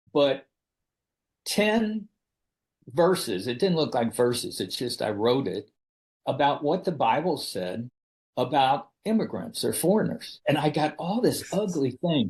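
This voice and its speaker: A man's fairly high-pitched voice with vocal fry and very wide pitch swings, at a fairly slow pace with long, frequent pauses, over a quiet background. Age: 70s. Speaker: retired pastor. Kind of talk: interview conversation.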